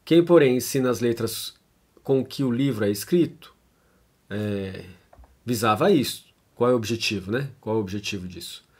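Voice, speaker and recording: Animated and speaking at a normal pace, this theology lecturer from Brazil has a medium-pitched, darkish voice with a breathy edge and a Brazilian Portuguese accent. He gives an informal lecture, reading a text and then remarking on it. Tag questions and fillers crop up frequently in his conversational delivery.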